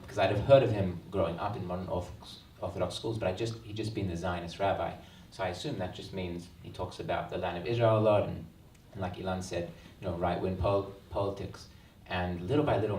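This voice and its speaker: An Australian man in his thirties, an author speaking earnestly at a book launch, with many ums and pauses. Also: low-pitched, a little mellow, slight background noise. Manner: earnest, reflective, frequent ums. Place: event hall. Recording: roomy hall sound, mic at a distance.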